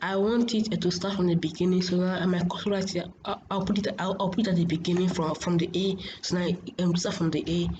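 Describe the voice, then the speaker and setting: A woman giving a casual software tutorial in a hesitant, repetitive, halting way, as a host. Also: lowish voice, fairly even intonation. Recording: muffled, noisy home screen recording.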